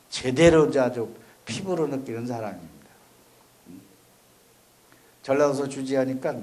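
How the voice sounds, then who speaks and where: Male Buddhist monk, folksy conversational sermon, habitual "eh?" check-ins, average pitch. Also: darkish tone. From Chungcheong, South Korea. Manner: folksy, keeps checking in with the audience with "eh?". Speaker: Buddhist monk giving a dharma talk. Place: temple or university dharma hall.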